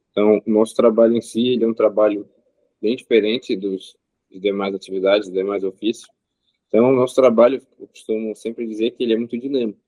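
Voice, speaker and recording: A man, an interview guest speaking in a measured way with frequent pauses and filler sounds. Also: on the low side, dark tone, no room sound, low-quality recording. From Rio de Janeiro state, Brazil. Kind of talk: casual interview answers.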